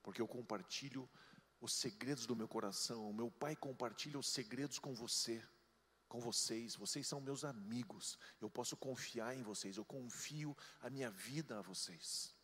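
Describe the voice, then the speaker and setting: A man preaching a sermon as pastor, telling stories with lively delivery and jumping into high voices to quote people. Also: normal speed. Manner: animated storytelling, jumps into high-pitched voices for quoted people. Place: church hall. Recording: long hall reverb.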